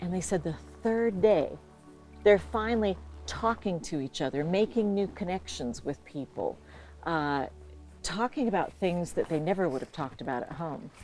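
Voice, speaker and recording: Music plays in the background as a woman with a fairly low voice speaks at a moderate pace with lively intonation. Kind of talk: casual conversation.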